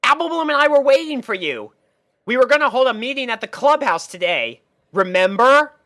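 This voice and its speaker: An impatient young tomboy filly from a storybook cartoon, voiced by a woman. The speech is blunt and pushy, pitched high. It moves up and down with a lot of animation. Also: very animated, moderate pace, fairly bright tone. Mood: exasperated.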